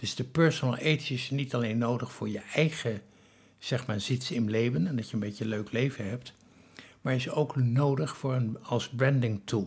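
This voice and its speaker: A man at a medium pitch sounds somewhat breathy, with ordinary pitch variation. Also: moderate pace. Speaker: professor. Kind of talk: interview.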